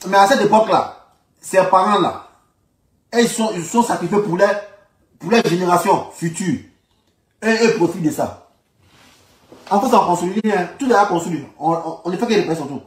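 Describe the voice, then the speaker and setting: With a high voice, moderate pace, and long pauses, a man from Ivory Coast gives informal political commentary in an Ivorian French accent. He insists on his points and repeats phrases emphatically. The recording has a roomy echo and he is distant from the mic.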